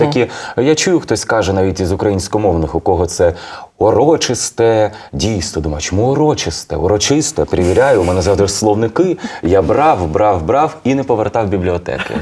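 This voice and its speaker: A man's voice with very wide pitch swings at a moderate pace, noticeable background noise behind it. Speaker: radio host and announcer of state events. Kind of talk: interview answer, casual talk in a morning TV show.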